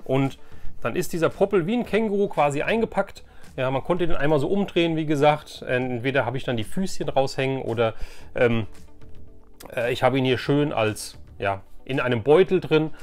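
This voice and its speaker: Soft music plays in the background while a middle-aged man shows off his flea market haul in a casual, chatty vlog for his vintage toy collecting channel. He records in a room at home, rambling enthusiastically in an expressive, mid-range voice at normal speed.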